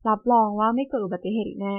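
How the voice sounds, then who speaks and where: A woman doing a slow, low-voiced dad. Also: steady tone, lightly acted. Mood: easygoing. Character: middle-aged father, easygoing and clumsy. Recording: tinny phone-like sound.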